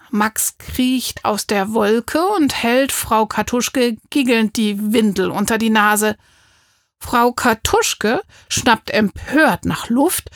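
Slow, measured woman reading a storybook. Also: on the high side, no echo, studio quality. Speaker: audiobook reader. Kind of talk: scripted narration.

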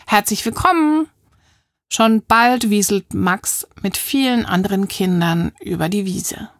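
Gravelly woman narrating a storybook. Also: mid-range voice, unhurried, no echo, clean studio sound. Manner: lively, expressive reading. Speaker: audiobook narrator.

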